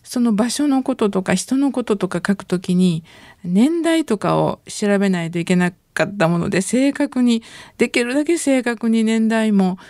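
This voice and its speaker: A middle-aged woman giving a radio lecture, reading her own essay in a gentle, unhurried way with soft fillers. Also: mid-range voice, no echo, clean studio sound. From Japan. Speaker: essayist and city information center head.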